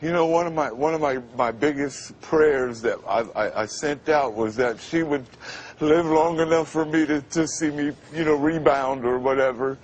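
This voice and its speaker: A man in his fifties from Brooklyn, a guest on a live TV interview, speaking in a halting, emotional way with many restarts. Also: fairly high pitch, slight background noise. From Brooklyn, New York. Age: 50s.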